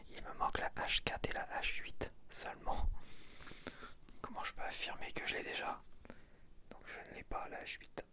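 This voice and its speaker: A man whispering in an unhurried murmur in an ASMR style. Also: sharp tone. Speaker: ASMR video creator.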